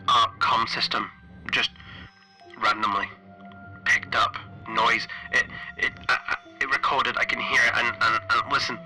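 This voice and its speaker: A man playing an anxious, isolated spaceship engineer recording log entries, halting and stammering, his phrases trailing off breathily. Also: mid-range voice, natural voice, poor audio. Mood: agitated, hopeful. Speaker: player of a solo tabletop horror game. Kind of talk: in-character audio log, dramatic monologue.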